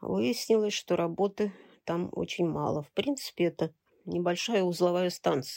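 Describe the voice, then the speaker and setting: A dark, mellow tone with ordinary pitch variation comes at a fairly slow pace in a very clean recording, silent behind, with a dry, close sound and no echo. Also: woman. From Ukraine. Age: 70s. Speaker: grandmother. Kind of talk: casual interview.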